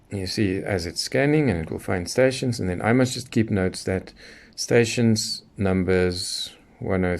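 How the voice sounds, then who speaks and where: A man's voice: low-pitched, darkish tone. A middle-aged man giving an unscripted, methodical hands-on product demonstration, explaining each step as he goes. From Southern Africa. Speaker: shortwave radio hobbyist presenting a tutorial.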